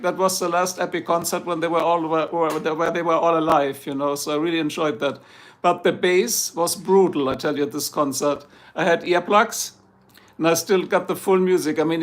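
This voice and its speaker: A middle-aged man from Germany with a German accent, hosting a livestream in a joking, rambling chat with viewers, hoarse and losing his voice. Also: sits high. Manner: joking, chatty, reads out viewer comments. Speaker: livestream host.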